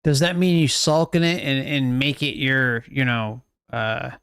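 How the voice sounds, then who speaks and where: Male online host, unhurried and clear, dry close sound, earnest casual commentary. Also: medium pitch, steady tone, a bit bright, dry recording. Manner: earnest, questioning, rhetorical.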